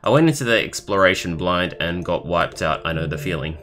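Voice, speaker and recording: A young man live streaming, reading a story aloud in a halting way and adding casual comments of his own. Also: sits low, lively intonation, sharp tone. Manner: halting, stumbling over words while reading. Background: background music.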